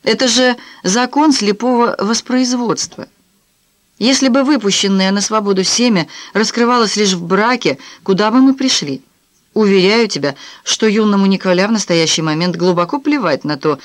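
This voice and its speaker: A woman's voice: mid-range voice, normal speed, dry recording, close to an everyday voice. A woman voicing a cynical, self-assured married man who lectures in a glib, dismissive way in an audiobook.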